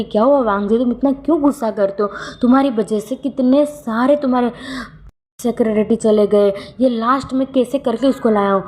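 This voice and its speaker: A woman's voice: fairly high pitch, a little mellow. Woman retelling a story, full of fillers. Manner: halting, many fillers and self-corrections; stammers and speeds up for the nervous secretary. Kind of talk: casual storytelling narration of a fan story.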